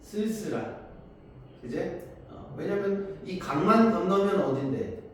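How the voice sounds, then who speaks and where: With a high voice and lively intonation, a man teaches a class on Korean poetry in an unhurried way. He asks his students questions and then answers them himself. The room is echoey, the mic far off, and there's faint noise.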